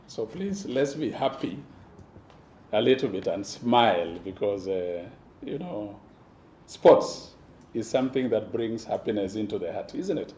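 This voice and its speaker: A hoarse man giving a formal speech at a launch event, pausing often and drawing in the audience. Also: lowish voice, expressive, mellow, slight background noise. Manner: slow, pausing, audience-engaging. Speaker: government official giving a speech. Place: event venue. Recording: echoey room with faint ambience.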